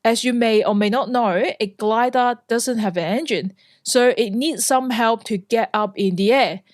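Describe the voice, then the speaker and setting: A woman's voice: fairly high pitch, normal speed, no room sound, clean studio sound. A woman from Hong Kong, a flight instructor, narrating a scripted vlog in an earnest, enthusiastic way.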